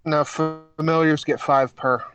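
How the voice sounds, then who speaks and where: A man's voice: a little high, steady tone, unhurried, over music, rough recording. A man chatting casually as a tabletop game player, in a hesitant, questioning manner.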